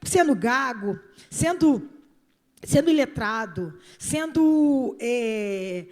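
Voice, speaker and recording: A woman's voice: fairly high pitch, animated, very slow, darkish tone, big-room sound, faint music behind. A Brazilian woman pastor giving an informal sermon, emphatic, repeating phrases and putting questions to her listeners. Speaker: pastor preaching to a congregation. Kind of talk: informal sermon with acted asides and scripture reading.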